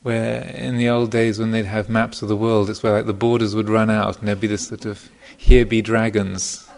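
Male meditation teacher, lowish and very gravelly, informal dharma talk, reflective, halting delivery. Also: flat delivery. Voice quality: gravelly, creaky voice. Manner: hesitant, thoughtful, pausing mid-phrase. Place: meditation retreat center.

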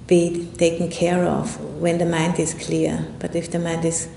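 A woman giving a guided meditation talk as a meditation teacher, speaking in an unhurried, reflective way with long pauses. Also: monotone, creaky, mellow. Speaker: Buddhist nun and meditation teacher. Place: indoor room at a retreat center. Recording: roomy echo, faint rumbling background noise.

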